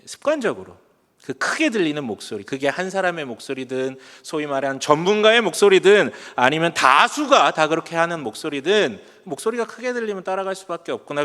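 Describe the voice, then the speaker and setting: High-voiced pastor in his forties preaching. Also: fairly bright tone. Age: 40s. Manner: chatty and self-deprecating, tells stories with humor. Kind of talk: conversational sermon. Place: church sanctuary. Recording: long hall reverb from a church sanctuary.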